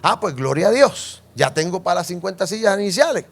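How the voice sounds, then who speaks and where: Puerto Rican male pastor, high voice, animated sermon storytelling, faint music underneath. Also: a little fast, vocal fry. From Puerto Rico. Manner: animated storytelling, asks the congregation questions. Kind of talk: sermon testimony.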